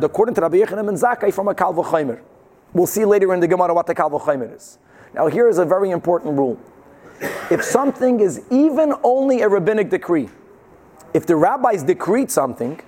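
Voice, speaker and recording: This Talmud teacher speaks in a high-sitting, darkish voice, explaining things emphatically and informally as in a religious class. Hebrew and Yiddish terms are sprinkled throughout his sentences.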